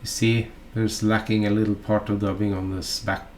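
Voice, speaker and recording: Narrating how to tie a fly, this man from Norway speaks with a Norwegian accent and a hesitant, chatty style full of asides and filler words. His lowish voice has a flat delivery, and there's slight hiss or hum.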